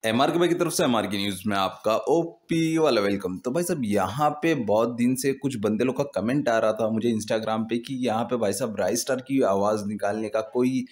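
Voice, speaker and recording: A man's voice: fairly low pitch, brisk, few pauses, a little hiss or hum. A man narrating a casual app review as host of a gaming channel, talking colloquially and addressing viewers like brothers.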